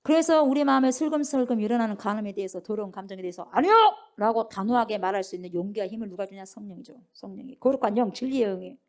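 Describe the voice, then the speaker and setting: A middle-aged woman pastor preaching a sermon, acting out pleading prayers and sharp rebukes. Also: mid-range voice, racing, few pauses.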